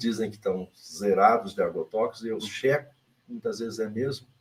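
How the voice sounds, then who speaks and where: A man's somewhat breathy voice at a moderate pace, with ordinary pitch variation. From Brazil, Barretos (São Paulo interior). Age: 60s. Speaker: pastor. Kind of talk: TV interview.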